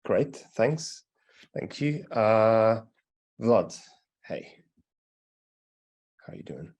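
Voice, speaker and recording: Over a video call, a man hosting an online teacher meetup gives friendly, step-by-step instructions, checking in often with "right?" and "okay?". His voice is lowish and a little mellow, very animated, with drawn-out words.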